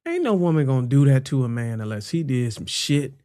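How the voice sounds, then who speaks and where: A man's voice: medium pitch, very animated, a little fast, warm tone, no room sound, clean studio sound. A man on a podcast panel makes blunt, crude points in an everyday mid-range voice. He talks casually and provocatively, without holding back.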